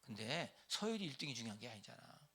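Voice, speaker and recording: A middle-aged man pastor preaching a lively sermon to church leaders, acting out everyday quarrels in raised voices. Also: mid-range voice, fast talker, husky.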